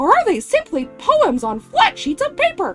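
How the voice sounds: A put-on character voice with very wide pitch swings over faint music in the background.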